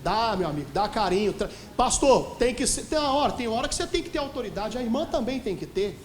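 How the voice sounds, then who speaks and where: A man's voice: very high voice, fast, slight background noise. A man with a Brazilian Portuguese accent, preaching a sermon as pastor and acting out the people in his stories. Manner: animated, acts out dialogue in quoted voices. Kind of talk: sermon with storytelling. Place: church hall. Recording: echoey church hall.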